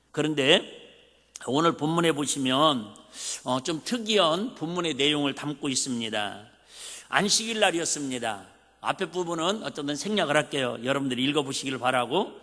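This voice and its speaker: Bright-voiced Jeolla-accented pastor preaching. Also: male voice, fairly high pitch. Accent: Jeolla Korean. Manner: folksy, conversational preaching with rhetorical questions. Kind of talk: sermon. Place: church sanctuary. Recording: reverberant church hall.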